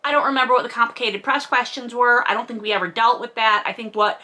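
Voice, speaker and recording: A woman's voice: a little high, quick pace, sharp tone. A woman giving a casual, comedic book recap with sarcastic, wry asides, in the manner of a video host.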